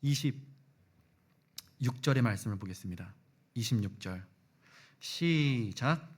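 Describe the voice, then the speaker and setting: A male pastor preaching a sermon, animated, questioning the congregation and acting out quotes. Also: on the low side, measured pace, slightly rough.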